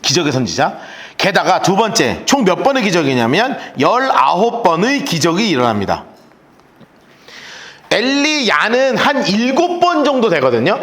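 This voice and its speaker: A male pastor teaching the Bible in a lively storytelling sermon, telling listeners what to write down. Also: high-pitched. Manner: lively storytelling, gives note-taking instructions.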